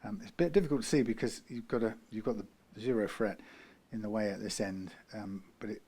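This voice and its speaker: A man's voice: fairly low pitch, fairly even intonation, a little fast, mellow, husky. A man from the UK working through a guitar repair, talking in a rambling way, correcting himself and dropping dry asides. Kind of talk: workshop how-to narration.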